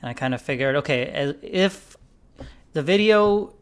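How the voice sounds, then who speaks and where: A man hosting a casual podcast conversation about investing, relaxed and rambling, with many "like"s and "you know"s. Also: a little high, normal speed, clear, resonant tone. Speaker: investing YouTuber host.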